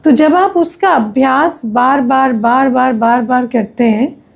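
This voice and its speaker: Speaking slowly with vocal fry, this high-voiced Indian-accented woman delivers an explanatory spiritual discourse as a teacher. She stays conversational and didactic, frequently asking her audience rhetorical questions and making sure they follow.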